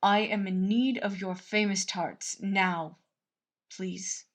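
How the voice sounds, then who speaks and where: Woman playing young male prince, creaky voice, dramatic, sulky, conflicted, proud, fantasy audiobook dialogue. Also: medium pitch, steady tone, takes it slowly. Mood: theatrically demanding. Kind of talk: acted dialogue in fan-fiction audiobook.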